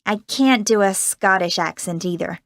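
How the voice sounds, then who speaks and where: A woman's voice: medium pitch, dry recording, clean studio sound, natural voice. A woman playing a bubbly American teen actress. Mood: chatty. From United States. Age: teens. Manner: bubbly, chatty, quick to laugh. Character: cheerful teenage American girl actress. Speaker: young film actress being interviewed. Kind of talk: scripted exam-recording interview.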